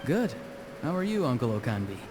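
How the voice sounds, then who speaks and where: A man acting a young loner from a video game with a mid-range voice. He sounds earnest and a little odd, matter-of-fact over clear background music. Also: medium pitch, sing-song, brisk, natural voice. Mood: gentle, calm. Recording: music behind the voice.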